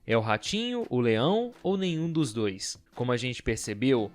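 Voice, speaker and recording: A young man from Brazil, a teacher, talking kids through a school lesson in a lively sing-song voice. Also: mid-range voice, moderate pace, faint music behind. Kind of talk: lesson video for children.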